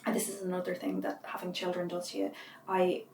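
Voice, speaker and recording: A woman's voice: fairly low pitch, a little fast, creaky, a little hiss or hum. Chatty Irish woman, roomy distant sound. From Ireland. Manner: chatty, animated storyteller. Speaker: interview guest. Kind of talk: casual conversational interview.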